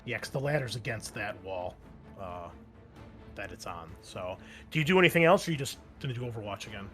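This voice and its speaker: A man's voice: on the low side, expressive, a little fast, a bit bright. Man game master explaining over music. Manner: conversational, explanatory. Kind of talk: improvised narration of a tabletop game.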